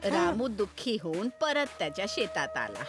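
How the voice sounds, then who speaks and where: A woman narrates a children's moral story as its storyteller. Her voice sits at a medium pitch, with music playing clearly behind her. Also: very animated, normal speed.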